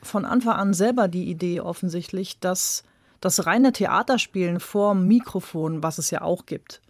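A woman with a lowish voice appears as an expert guest in a radio interview, explaining things emphatically at a moderate pace in spontaneous discussion. The sound is dry and clean, studio quality.

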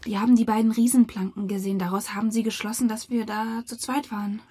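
Shaken defiant young woman in a radio krimi, husky, slightly high. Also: steady tone, quick pace, dark tone. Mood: subdued. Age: young adult. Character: distraught, defiant young woman witness in shock. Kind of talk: German radio crime drama acting.

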